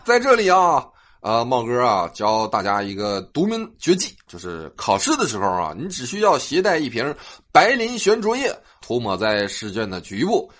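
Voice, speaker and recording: Very animated joke-telling man. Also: medium pitch, over music. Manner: animated, sing-song delivery with drawn-out particles. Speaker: host. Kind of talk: comic storytelling monologue.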